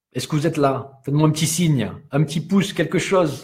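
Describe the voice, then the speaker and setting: Music plays behind a man talking at a moderate pace. His pitch is fairly high. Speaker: herbalist teacher. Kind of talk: live stream Q&A tutorial. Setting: Facebook live stream.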